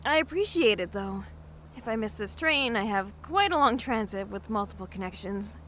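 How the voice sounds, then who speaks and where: A woman's voice: medium pitch, animated, moderate pace, a bit bright, slight background noise, lightly acted. An actress playing a friendly, easygoing young bookish woman in a naturalistic audio drama, speaking casually. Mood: friendly, polite. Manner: casual, conversational.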